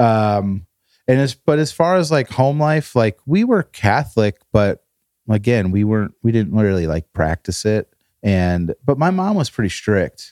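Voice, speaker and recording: A man talks in a fairly low voice with an American accent. His pace is fairly slow, and his pitch swings very widely. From Chicago suburbs, Illinois. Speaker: podcaster guest.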